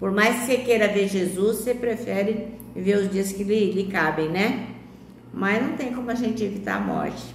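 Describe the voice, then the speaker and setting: A woman at medium pitch speaks at a fairly slow pace with fairly even intonation. Audible room echo and noticeable background noise are present. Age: 60s. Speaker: Bible study teacher. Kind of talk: devotional Bible talk. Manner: casual conversational.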